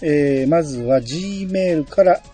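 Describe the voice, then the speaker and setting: A man hosting a casual podcast, reading listener mail aloud with a relaxed, teasing manner. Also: fairly high pitch, unhurried, husky, soft background music. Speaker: podcast host.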